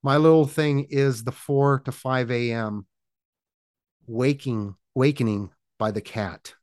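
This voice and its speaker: A man co-hosting a podcast, telling stories in a dry, deliberate way. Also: medium pitch, fairly even intonation, a little mellow, no room sound. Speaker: podcast co-host. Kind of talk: casual chat.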